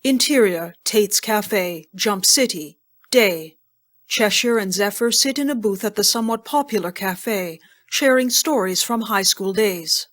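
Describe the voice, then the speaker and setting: A woman narrates an audio drama. Her voice sits at a medium pitch. She reads scene headings and actions from a script. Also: a little slow.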